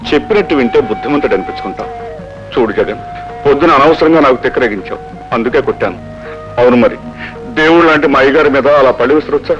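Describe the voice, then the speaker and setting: An actor playing a jovial, talkative middle-aged police constable who teases and laughs easily, in an old film scene. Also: male voice, medium pitch, lively intonation, fast, natural voice. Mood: kindly. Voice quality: chatty, teasing, laughing easily. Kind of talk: 1970s Telugu film acting. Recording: dull old film soundtrack with music.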